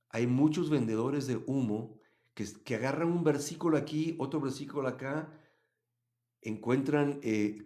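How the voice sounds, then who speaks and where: Emotive man teaching the Bible. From Mexico. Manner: emotive, swings from loud emphasis to low asides. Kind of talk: live Bible study reading chat comments.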